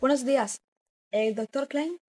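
A woman's voice: sits high, a little slow, heavy background noise. A woman playing an inquisitive young journalist. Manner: inquisitive, polite. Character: young female journalist, curious and persistent. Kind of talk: radio drama acting.

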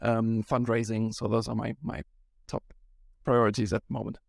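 A man's voice: lowish voice, flat delivery, normal speed, vocal fry, no room sound, studio quality. German man, founder chatting on a podcast. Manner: rambling, frequent restarts and ums. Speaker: startup founder guest. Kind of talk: casual business interview.

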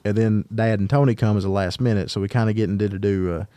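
A man's voice: fairly low pitch, steady tone, fast, warm tone, dry recording. A man chatting casually as a podcast co-host, with a blunt, folksy, profane way of talking. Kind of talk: casual chat.

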